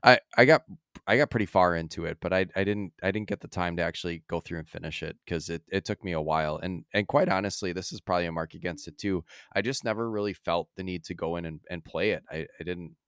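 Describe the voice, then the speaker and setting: Male podcast co-host, low voice, clean and resonant, dry close sound, casual gaming talk, rambling. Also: quick pace, fairly bright tone, smooth, dry recording. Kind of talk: casual video game discussion.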